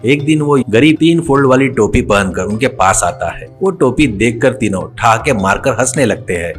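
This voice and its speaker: A man narrating a cartoon folk tale in a steady, plain storytelling voice. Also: mid-range voice, moderate pace, hardly any pauses, soft background music.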